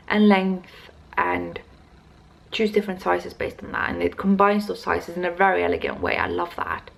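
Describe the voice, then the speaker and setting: Woman doing a casual knitting vlog at home, rambly, keeps going off on tangents, bit of vocal fry. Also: mid-range voice. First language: not Swedish. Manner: rambling, digressive, self-interrupting. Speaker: knitting podcast host.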